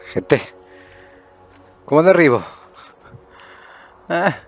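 A man's voice: on the high side, animated, drawn-out words, faint music behind. A middle-aged man with an accent from Spain giving casual, improvised gameplay commentary, chatting and thinking aloud with muttered questions to himself. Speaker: gaming video host. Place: indoors at a desk, webcam view.

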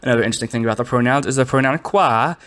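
A man's voice: mid-range voice, racing, a bit bright. A man narrating a scripted comedic review in a mock-serious way, with exasperated asides. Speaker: reviewer of constructed languages.

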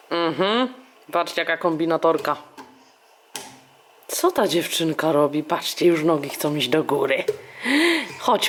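A woman's voice: medium pitch, background noise. A woman vlogging at home with her baby daughter, exclaiming, laughing and talking both to the child and to the viewers. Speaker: vlogger mother. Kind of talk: casual home vlog. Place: home indoors.

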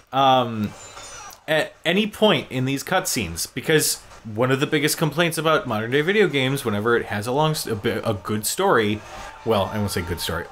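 A man's voice: mid-range voice, fairly bright tone, slight background noise. A man giving casual, exclamatory commentary as he watches game cutscenes. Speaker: video game show host.

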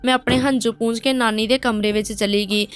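A woman's voice: a little high, steady tone, brisk, smooth. A woman narrating a painful first-person story in a plain, direct way.

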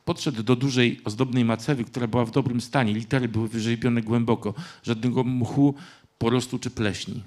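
A man, the author, reading a passage of his prose aloud at a literary event in a measured narrative voice. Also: mid-range voice, steady tone, a little mellow.

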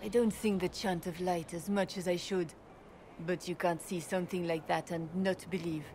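A woman's voice: fairly low pitch, steady tone, a little slow, darkish tone, slight background noise, close to an everyday voice. An actress playing a sober, devout woman soldier in a fantasy video game. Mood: solemn.

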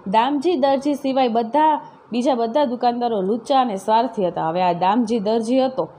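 A woman's voice: on the high side, normal speed, dark tone, slight background noise. A woman teacher with a Gujarati accent reading a story lesson aloud and explaining each line in simple words, often checking in with a tag question. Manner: reads a line, then retells it in plain words with tag questions. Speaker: school teacher. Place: classroom-style video lecture.

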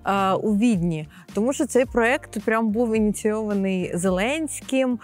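A woman's voice: medium pitch, unhurried, soft background music. A woman in her thirties interviewing a guest, asking short, polite questions and acknowledging answers.

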